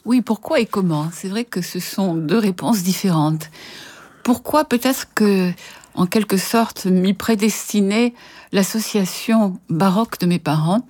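A woman translator answering interview questions with articulate, lively storytelling and some hesitations. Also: mid-range voice, measured pace, husky. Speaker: literary translator guest.

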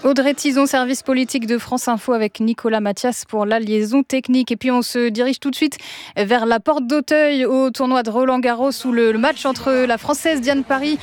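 A woman's voice: sits high, steady tone, normal speed. A woman anchoring a radio news bulletin, presenting steadily with frequent small hesitations. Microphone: studio mic.

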